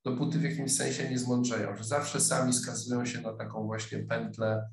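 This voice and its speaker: A middle-aged man talks through a lecture from his office over a webcam. His voice sits at an ordinary pitch, and he hesitates often, filling pauses and restarting sentences. The room adds a noticeable echo. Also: level tone, gravelly. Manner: thoughtful, hesitant, many fillers and restarts. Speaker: sociologist lecturer. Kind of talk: online lecture. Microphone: webcam video call.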